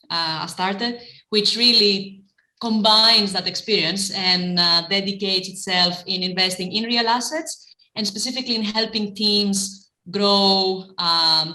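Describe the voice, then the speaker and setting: A woman's voice: medium pitch, pushed and bright. Woman in an echoey room. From Greece. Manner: measured, with frequent fillers and restarts. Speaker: guest, private equity managing partner. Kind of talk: conversational interview answers.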